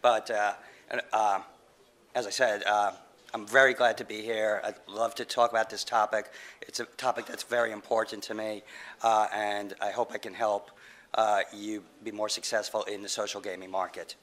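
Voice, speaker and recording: A man's voice: lowish voice, little pitch movement, moderate pace, fairly bright tone. A middle-aged man getting over a cold, giving a conference presentation with many fillers and restarts. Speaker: conference speaker, game company CEO.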